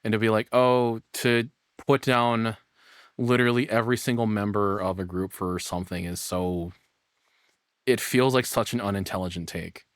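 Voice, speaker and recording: A man giving casual live reaction commentary as a streamer, rambling and excitable, with casual swearing. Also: lowish voice, moderate pace, clear, resonant tone, no room sound, studio quality.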